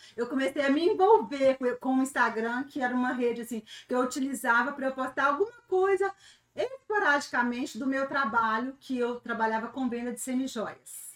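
In a Minas Gerais accent, a woman talks at a high pitch. She keeps a moderate pace and ordinary pitch variation. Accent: Minas Gerais (mineiro). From Minas Gerais, Brazil. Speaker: digital influencer. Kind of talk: casual interview. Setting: radio studio.

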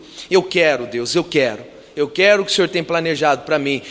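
A man with a Brazilian accent, fairly high pitch and lively intonation. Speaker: pastor. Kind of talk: sermon. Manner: animated.

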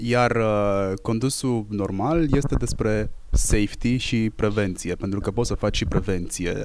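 Here a man with an ordinary speaking voice talks with hardly any pauses. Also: fairly low pitch for a man, ordinary pitch variation, fairly slow pace. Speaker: podcast host. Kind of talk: casual interview. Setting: outdoors on a terrace.

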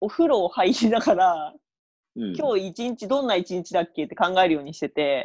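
Her pitch swings very widely as a woman speaks at a moderate pace. The sound is dry and close, with no echo. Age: 40s. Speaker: guest, divorced woman living alone. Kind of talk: casual chat.

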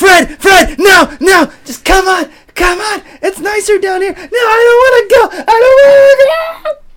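Speaking at a fairly slow pace, a man does a put-on character voice pitched extremely high. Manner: pleading, panicked, shouting.

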